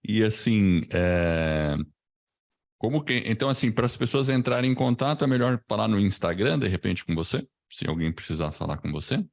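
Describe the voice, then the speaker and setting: A man's voice: on the low side, lively intonation, normal speed, vocal fry. A man with a Brazilian accent hosting a casual online class in an informal, chatty way, often tacking on tag questions. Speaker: host, podcasting teacher. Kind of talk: casual live online class chat and promotion.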